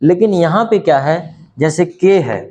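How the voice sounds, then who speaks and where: A man whose first language is Hindi, teaching a spoken English lesson and explaining slowly with many rhetorical questions. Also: on the high side, expressive, mellow, dull audio.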